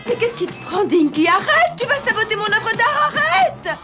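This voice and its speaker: Very high-voiced sweet cartoon girl. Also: big pitch swings, normal speed, over loud music. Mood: giggling protest. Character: sweet, tender-hearted young girl, dog lover. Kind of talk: French-dubbed cartoon acting.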